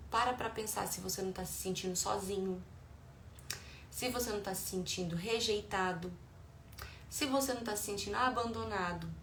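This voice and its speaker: A middle-aged parenting educator with a Brazilian Portuguese accent patiently walks parents through advice in a warm, explanatory tone, at times acting out dialogue with her children. Her voice is medium-pitched, and the echoey room carries a faint hum of ambient noise.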